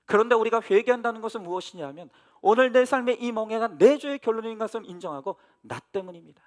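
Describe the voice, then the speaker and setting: A middle-aged man preaching a sermon as pastor, earnest, swinging between loud emphasis and hushed, near-whispered passages. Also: sits high, animated, fast.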